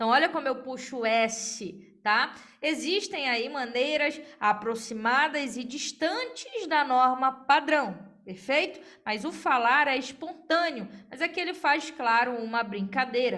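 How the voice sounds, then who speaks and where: A raised, projected voice with a bright, sharp tone and lively intonation rings out with audible room echo. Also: woman, high pitch for a woman, fairly slow pace. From northern Brazil, Belém do Pará. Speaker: Portuguese language teacher. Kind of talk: lecture. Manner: casual, conversational with frequent 'né?'.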